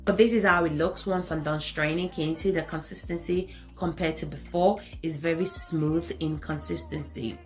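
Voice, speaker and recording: A woman's voice: sits low, steady tone, normal speed, hardly any pauses, faint music behind. A woman in her thirties with an African accent, giving an enthusiastic hair care tutorial voice-over and repeating phrases for emphasis.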